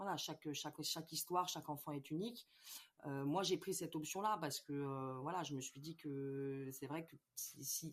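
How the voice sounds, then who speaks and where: Speaking at a moderate pace, a woman uses a very deep, low voice whose pitch varies in an ordinary way. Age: 40s. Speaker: podcast guest with ADHD, mother. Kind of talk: interview testimony. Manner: halting, many repetitions and fillers.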